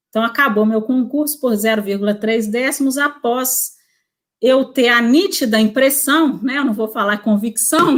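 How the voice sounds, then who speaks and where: A woman in her forties from Brazil, a prosecutor telling her career story in a relaxed interview, with tag questions and self-corrections. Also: a little high.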